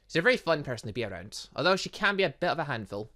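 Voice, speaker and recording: A man's voice: on the high side, sing-song, rapid-fire, bright, forceful tone. A man voicing an awkward, earnest, bewildered young male student in a visual novel game, hesitant and flustered. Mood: explaining. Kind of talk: visual novel game dialogue read aloud.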